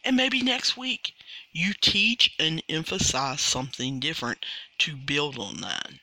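Man talking slowly with a sharp, bright tone. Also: fairly high pitch, animated, no room sound. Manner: earnest, asks rhetorical questions; repeats words and restarts. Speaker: coaching podcast host. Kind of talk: casual podcast monologue.

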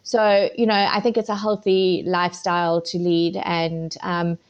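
A middle-aged woman with a South African accent talks through her answers in a fairly low voice. She rambles, restarts her sentences and fills the gaps with ums, like a relaxed podcast guest. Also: unhurried, dull audio. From Zimbabwe and South Africa. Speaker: podcast guest, food photographer.

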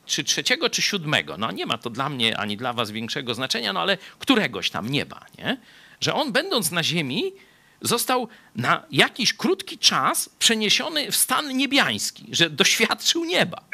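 A man's voice: on the high side, vocal fry. A male pastor giving a conversational sermon, often tagging his sentences with a questioning "nie?". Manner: conversational, frequent tag "nie?"; lively, swings between soft asides and raised emphasis. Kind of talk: sermon Bible study.

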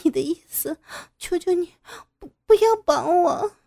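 A woman's voice: very high voice, animated, very slow, creaky, fairly bright tone, voice pushed up, exaggerated voice. A woman voicing a frightened young female teacher who is held captive, crying and stammering through her pleas. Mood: pleading, crying.

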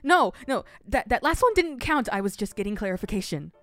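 A woman's voice: mid-range voice, very animated, a little fast, a bit bright. A woman playing a playful, prying camp announcer who speaks to the children over the speakers with a whimsical patter. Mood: teasing. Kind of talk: audio drama acting.

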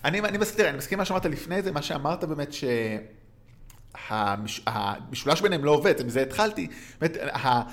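A man's voice: a little high, animated, fairly bright tone. A man co-hosting a casual film discussion, rambling with many fillers and restarts. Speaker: podcast co-host.

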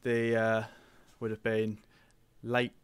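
A man's voice: on the low side, completely flat delivery, slow pace, clear, resonant tone, no echo. A man in his thirties with an Essex accent chatting casually as a podcast guest, slangy and rambling. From Essex, England. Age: 30s. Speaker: podcast guest and tabletop gamer. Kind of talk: casual chat.

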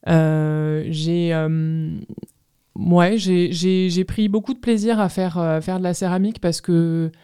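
A woman's voice: on the low side, fairly even intonation, takes it slowly, mellow, clear, resonant tone, no room sound, clean studio sound. A woman in her thirties answering casually as an interview guest, hesitant and often searching for words. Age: 30s. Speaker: guest artist, ceramicist.

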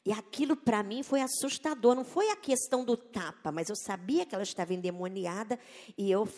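A woman's voice: mid-range voice, fairly quick, a little mellow. A woman preaching a sermon in an earnest, emphatic way, asking her listeners rhetorical questions. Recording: long hall reverb.

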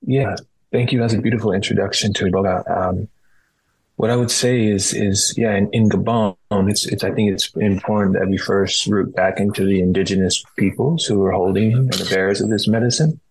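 A man giving explanatory answers as a podcast guest, in a measured, reflective way with pauses. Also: fairly low pitch, steady tone, slightly rough, low-quality recording. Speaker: podcast guest, retreat practitioner. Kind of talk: explanatory interview talk.

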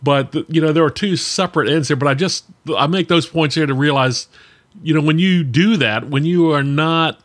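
A man co-hosting a podcast, talking in an animated, casual way with self-deprecating asides. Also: on the high side, normal speed. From Virginia, US. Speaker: podcast co-host. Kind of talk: casual conversational talk.

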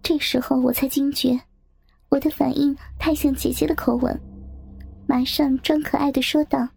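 A woman narrating a first-person story softly, with music behind. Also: sits high, little pitch movement, normal speed, vocal fry.

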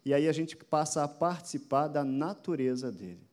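A man's voice: a little high, lively intonation, normal speed, a little mellow. A man preaching a sermon as pastor, asking his listeners rhetorical questions and building emphasis. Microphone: addressing a camera for an online audience.

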